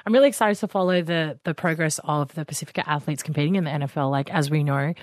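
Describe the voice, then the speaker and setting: Fast-talking upbeat co-host. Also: mid-range voice, no echo, clean studio sound. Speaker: podcast co-host. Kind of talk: casual interviewing.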